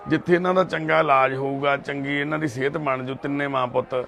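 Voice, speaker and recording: A man with a Punjabi accent, a social worker, calmly explaining to the camera outdoors in a village. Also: mid-range voice, vocal fry. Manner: loud coaxing calls, then measured earnest talk. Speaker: social worker helping addicts. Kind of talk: pleading on the scene, then calm explanation to camera.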